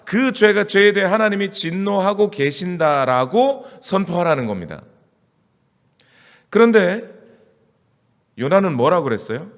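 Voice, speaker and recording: A man's voice: high-pitched, very animated, a little slow, pauses often. A male pastor preaching a sermon in a conversational style, asking his congregation question after question. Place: church sanctuary. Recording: church hall with long reverb.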